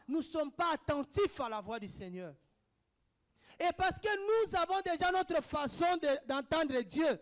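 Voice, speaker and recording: Fervent male preacher, very high voice, mixes shouts with quiet asides. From Africa. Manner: impassioned, swings between shouted declarations and hushed asides. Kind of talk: sermon answering questions.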